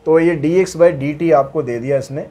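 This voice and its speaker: With a fairly high-pitched, dark-toned voice, a man explains maths problems step by step, chatting along and posing questions he then answers himself. When he reads the English problem text, he goes slowly and deliberately.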